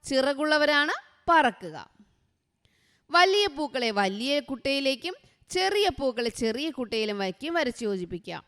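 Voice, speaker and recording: A woman teaching young children, quizzing them with short, repeated questions in a slow, clear manner. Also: high voice, sing-song, a bit bright, long reverb tail. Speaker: online tutor for first graders. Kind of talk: exam revision lesson for young children.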